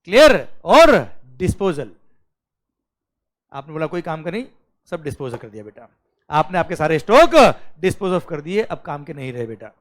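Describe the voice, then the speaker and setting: Animated Indian male tax lecturer, high voice with wide swings; drills terms like a chant. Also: moderate pace. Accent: Indian English. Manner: animated teacher, calls students "beta", repeats "clear?" loudly; mixes Hindi with English terms, chants lists rhythmically. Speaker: GST lecturer for accounting students. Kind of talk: live recorded classroom lecture.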